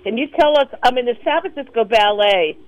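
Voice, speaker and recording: A woman's voice: a little high, expressive, fairly quick, no echo, dull audio. A woman co-hosting a radio show, chatty and enthusiastic toward the guest. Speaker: radio co-host. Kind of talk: radio interview.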